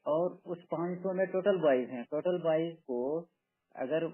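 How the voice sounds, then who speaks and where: A man's voice: a little high, measured pace. A man on a recorded phone call, negotiating informally in a pleading, persistent way. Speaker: job candidate on a phone call.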